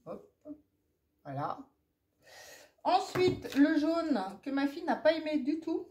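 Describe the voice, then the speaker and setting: A woman's voice: sits high, big pitch swings, takes it slowly, darkish tone. Chatty French woman with a nagging cough. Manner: chatty and rambling, many fillers and asides. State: persistent cough. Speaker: haul vlogger. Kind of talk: casual haul chat to camera.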